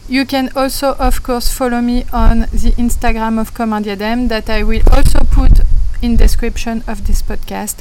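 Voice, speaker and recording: A woman's voice: a little high, steady tone, moderate pace, noisy background. A woman in her thirties with a French accent, hosting a podcast and earnestly sharing a personal story, reflective and a little hesitant. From France. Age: 30s. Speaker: podcast host.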